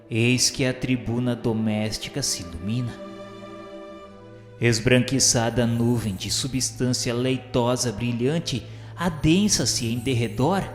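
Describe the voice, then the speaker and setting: Man narrating solemnly in deep reverb. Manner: formal, reverent delivery. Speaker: narrator of a spiritist radio novela. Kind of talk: solemn scripted literary narration. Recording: echoey reverberant hall sound, music underneath. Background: music.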